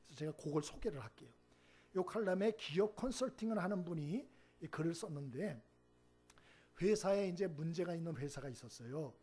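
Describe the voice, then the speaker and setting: A man preaching as a pastor, telling stories with lively acted-out quotes and asking the congregation for responses. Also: on the high side, a little fast, breathy edge. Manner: animated storytelling, acts out quoted speech, asks the congregation "응?". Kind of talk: sermon.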